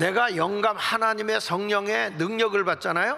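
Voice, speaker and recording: A man projects a raised voice at a high pitch. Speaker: pastor. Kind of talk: sermon. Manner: fast; animated.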